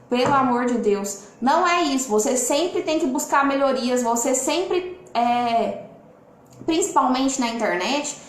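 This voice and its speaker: Animated Brazilian woman teaching on a live stream. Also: sits high, echoey room, a little hiss or hum. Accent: Brazilian Portuguese. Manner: lively, shifts loudness and tone on purpose; reads and greets viewers' comments. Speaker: lawyer and online mentor hosting a live. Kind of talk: live stream talk to viewers. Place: at home.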